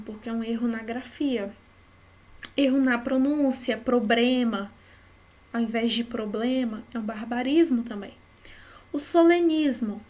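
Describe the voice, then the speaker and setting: Woman, Brazilian Portuguese accent, slightly high voice, patient teacher, study-with-me lesson. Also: a little mellow. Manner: explains patiently with frequent tag questions.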